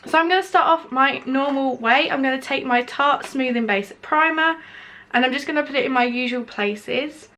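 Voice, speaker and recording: Reviewing makeup as she puts it on, a young woman vlogs from home with the window open, her high, sharp voice carrying a faint hiss or hum. Hay fever leaves her congested, nasal and sore-throated. Her chatter wanders, packed with filler "like"s.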